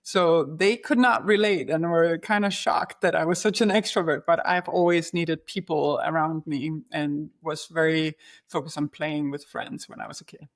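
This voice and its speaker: A woman's voice: sits low, steady tone, normal speed. A woman from Denmark speaks as a podcast guest from her language. She answers in a conversational interview style, as an executive talking about herself. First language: Danish.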